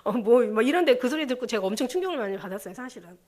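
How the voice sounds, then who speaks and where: A woman pastor preaching a sermon in an emotional, halting way, with many restarts. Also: on the high side, lively intonation, darkish tone.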